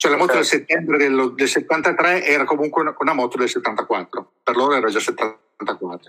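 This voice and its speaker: A man speaks at a moderate pace in a bright, sharp tone. His loudness stays very even, and his pitch varies in an ordinary way. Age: 60s. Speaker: motorcycle magazine editor. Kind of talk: casual chat.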